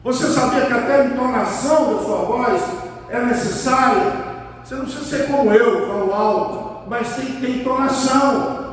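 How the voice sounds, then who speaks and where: A man's voice: extremely high pitch, normal speed. A man with a Brazilian Portuguese accent preaching a sermon as pastor, emphatic and repeating his key phrases. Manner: emphatic, repeats key phrases, acts out a father's stern talk. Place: large church hall. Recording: echoey hall, voice from far off.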